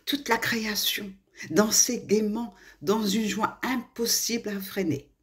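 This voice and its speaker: A woman from Morocco telling a children's tale expressively, with dramatic pauses and hushed phrases. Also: mid-range voice, fairly even intonation. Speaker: storyteller.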